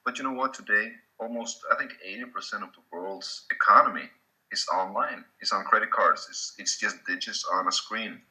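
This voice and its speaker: A man with a Swedish accent, a native Swedish speaker, giving a casual slide presentation with halting restarts. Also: fairly low pitch, pushed and bright, poor audio. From Sweden.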